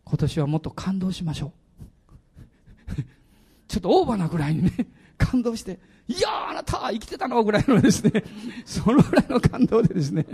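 A middle-aged man, a pastor, preaching a sermon in an animated way, with laughing asides to the congregation. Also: high-pitched, fairly quick, pauses often, husky.

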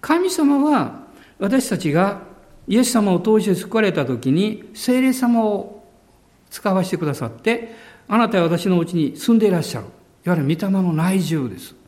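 High, lively-voiced male pastor preaching. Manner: emphatic preaching, stretching key words slowly. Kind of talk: sermon.

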